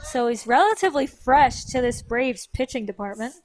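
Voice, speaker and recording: A woman with a distinctly high voice co-commentates on a live baseball game. She talks through the play and the players in a conversational style. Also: lively intonation, moderate pace. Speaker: sports co-commentator.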